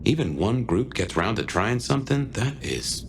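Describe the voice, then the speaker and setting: A man's voice: fairly low pitch, big pitch swings, normal speed, noisy background. An actor playing a world-weary, streetwise male companion in a video game, dry, sardonic and casual. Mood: dry, wry.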